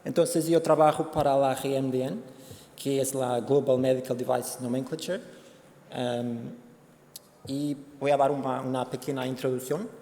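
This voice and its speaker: A Portuguese man giving a conference presentation in Spanish with a Portuguese accent, speaking haltingly with many fillers and restarts. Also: mid-range voice, steady tone, mellow. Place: conference hall. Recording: hall reverb, faint background noise.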